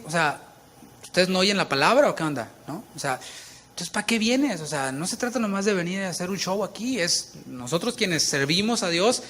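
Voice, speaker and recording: Pastor, sermon delivery, fairly high voice, emphatic with chatty asides. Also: male voice, bright, forceful tone. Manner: emphatic preaching with casual conversational asides.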